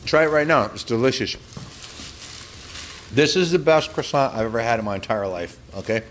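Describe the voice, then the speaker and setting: A man's voice: medium pitch, lively intonation, fairly quick, a bit bright, slight background noise. A man hosting a video visit to a small bakery, full of enthusiastic, effusive praise for the food. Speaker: video host. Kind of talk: casual chat. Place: small bakery shop, indoors.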